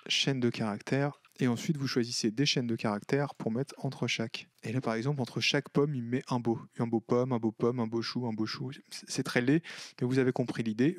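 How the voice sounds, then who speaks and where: A man hosting a casual screen-recorded software tutorial, chatty, with many fillers and self-corrections. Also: medium pitch, no room sound, studio quality. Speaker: tutorial host.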